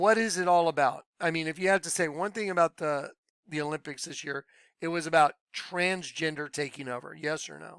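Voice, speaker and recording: A man with a plain, everyday voice, fairly high in pitch, talks at a fairly quick pace with fairly even intonation and big swings in loudness, in a very clean, dry, close recording with no echo and a silent background. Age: 60s. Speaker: conspiracy video maker. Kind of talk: casual monologue to camera. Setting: small home studio.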